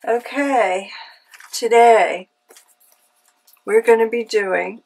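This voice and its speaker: A woman with a cold hosting a casual craft tutorial, chatty and unhurried, with frequent ums. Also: a little high, vocal fry, a little mellow, low-quality recording. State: has a cold. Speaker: craft channel host. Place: home craft room.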